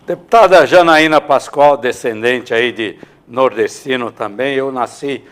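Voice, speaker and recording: A man's voice: mid-range voice, a little slow. A man with a mid-range voice hosts a live morning news interview. He is from Maranhão. His questions wander, and he fills the gaps with hesitations and restarts. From Maranhão, Brazil. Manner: hesitant, rambling questions with many fillers. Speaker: host of a morning news show.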